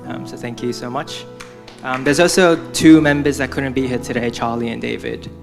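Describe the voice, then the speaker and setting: A man's voice: medium pitch, steady tone, moderate pace, vocal fry, over music. A young man from Hong Kong giving a prepared church testimony, speaking earnestly as if from notes.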